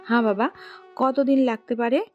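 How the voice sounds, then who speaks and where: An actress playing a spoiled young daughter, coaxing and whiny. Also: female voice, fairly high pitch, steady tone, normal speed, lo-fi sound, faint music behind, lightly acted.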